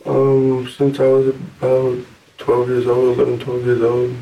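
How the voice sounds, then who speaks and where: A man's voice: mid-range voice, completely flat delivery, measured pace, warm tone. A man in his twenties from Hawaii answering a detective's questions casually, heard on old interrogation tape. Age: 20s. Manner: casual, short, easygoing answers. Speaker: suspect in an interrogation. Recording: distant camera tape with faint hiss.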